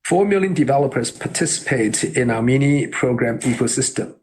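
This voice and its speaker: A man reading a scripted earnings call presentation as a company executive, in a formal and measured way. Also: medium pitch, expressive, darkish tone.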